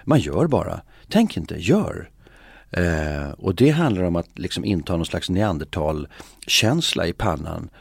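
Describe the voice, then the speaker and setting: A middle-aged man in a reflective interview, musing philosophically and often pausing with filler sounds. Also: low voice, sing-song, vocal fry, slightly rough, no echo, clean studio sound. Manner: hesitant, many filler sounds. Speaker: interview guest. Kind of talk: reflective conversation.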